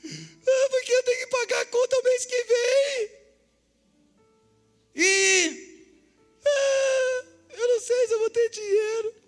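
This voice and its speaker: A Brazilian man voicing an anxious young man who sobs in a high, whiny wail over money. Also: steady tone, slow pace, long pauses, darkish tone. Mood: sobbing. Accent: Brazilian Portuguese. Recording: echoey hall with faint music.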